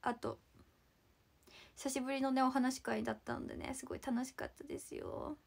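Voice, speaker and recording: A young idol from Saitama, Japan, chats casually on a livestream, reading viewer comments and thanking viewers by name. Her high voice is gravelly, a little fast and flat in delivery, though her manner is bubbly and chatty, and she sometimes drops into whispers.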